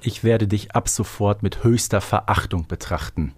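A man's voice: fairly low pitch, moderate pace, darkish tone, husky. A man co-hosting a podcast in casual conversation, teasing and jokingly boastful. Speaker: podcast co-host and quiz contestant. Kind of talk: casual chat.

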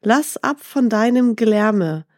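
A woman's voice: fairly high pitch, animated, takes it slowly, darkish tone, no echo, clean studio sound. A woman voicing a poor, ragged male beggar in a storybook, who sounds fretful and doubtful. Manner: fretful, questioning.

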